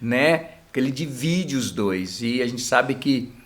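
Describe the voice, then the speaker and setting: A man's voice: mid-range voice, lively intonation, unhurried. A middle-aged man with a Brazilian Portuguese accent, a couples therapist guest explaining things in a casual podcast chat, often tagging phrases with a filler. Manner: explanatory, many filler tags at phrase ends.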